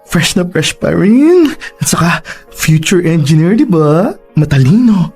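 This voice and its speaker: A man doing a flamboyant, gossipy gay best friend in an audio drama, campy and loud with exclamations. His voice rides high and swoops wildly up and down. He scolds and teases in one breath. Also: big pitch swings, unhurried, slightly rough, faint music behind, exaggerated voice. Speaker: office colleague. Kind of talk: Tagalog audio drama acting.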